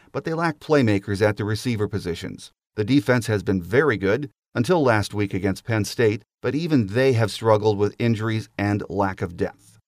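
Low-voiced man hosting a scripted show. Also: dry recording, studio quality. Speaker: podcast host. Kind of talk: scripted podcast monologue.

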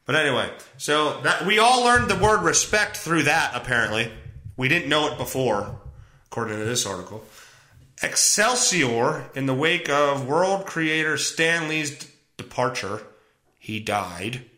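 A man with a fairly high, bright voice that swings widely in pitch as he rants through the news. He is sarcastic and foul-mouthed, and his talk rambles. The sound is echoey, as if recorded in a bare room at home. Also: lively intonation, unhurried. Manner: sarcastic, profane, rambling commentary. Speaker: podcast host. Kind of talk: casual solo podcast monologue reacting to news.

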